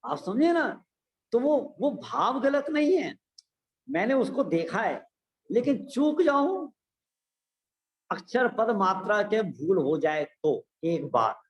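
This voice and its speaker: Man teaching scripture real slow, high voice, keeps asking "get it?" and repeating himself. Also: big pitch swings. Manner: asks listeners rhetorical check-in questions; repeats key phrases for emphasis. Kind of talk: religious discourse to a class.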